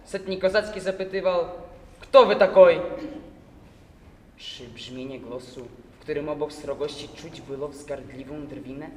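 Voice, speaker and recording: A young man giving a measured, theatrical prose recitation at a contest. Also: on the high side, a little hiss or hum. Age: young adult. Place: large hall, stage. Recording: echoey hall from far off.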